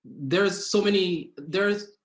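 A man from Tanzania, a guest on a podcast, speaking in a measured way with pauses and fillers. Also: high voice, poor audio. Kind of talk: casual interview.

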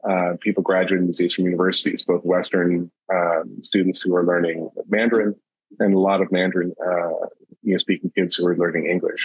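A man speaking as a podcast guest in a measured, explanatory way. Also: sits low, husky, no echo, lo-fi sound. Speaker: podcast guest, industry advisor. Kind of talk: conversational panel discussion.

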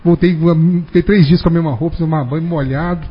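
A man, telling a long anecdote fast and animatedly in casual podcast chat. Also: fairly high pitch, fairly even intonation, breathy edge. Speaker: podcast guest. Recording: dull, reverberant room recording.

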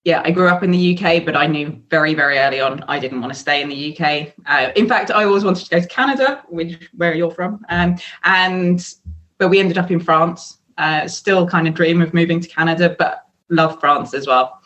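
A woman's voice: on the low side, normal speed, fairly bright tone, muffled recording. An English woman in her thirties, a sobriety coach, talking candidly as a podcast guest with frequent fillers. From England. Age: 30s. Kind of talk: casual podcast interview.

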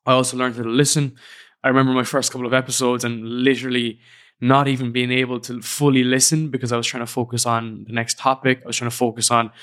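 A young Irishman talks into his podcast microphone in a relaxed, earnest monologue. His voice sits at an ordinary middle pitch for a man. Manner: casual, earnest, reflective. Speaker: podcast host. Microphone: studio podcast microphone.

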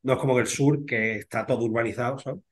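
A man's voice: mid-range voice, fairly even intonation, quick pace. A Spanish-accented man, a veterinarian, chats loosely as an interview guest. He rambles in an easy, familiar way, ending his phrases with "¿sabes?" and "tío". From Spain. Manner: chatty, peppers speech with "¿sabes?" and "tío". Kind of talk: casual interview chat.

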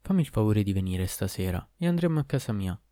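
A man's voice: on the low side, big pitch swings, fast talker, mellow, dry recording, clean studio sound. A man voicing a scheming male tailor in a storybook reading, in a plain matter-of-fact way. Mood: amused.

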